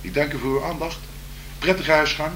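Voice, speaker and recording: A man giving a spiritual address with improvised verse, in a measured, solemn, declamatory manner. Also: on the high side, steady tone, sharp tone, a little hiss or hum, poor audio. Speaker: spiritual speaker.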